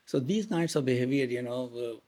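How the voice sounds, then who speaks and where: A man's voice: mid-range voice, lively intonation, a little fast, warm tone. A man in his seventies whose first language is Hindi, speaking earnestly in an interview, with hesitant fillers. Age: 70s.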